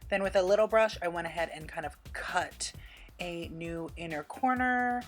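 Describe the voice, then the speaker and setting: Female tutorial presenter, lowish pitch, casual and chatty voice-over with quirky informality, music behind. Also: normal speed.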